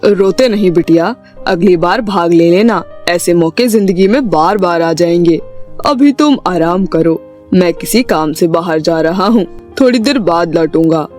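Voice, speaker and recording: A man voicing a kind, caring middle-aged father in an animated storybook, speaking gently and reassuringly. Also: high-pitched, measured pace, soft background music.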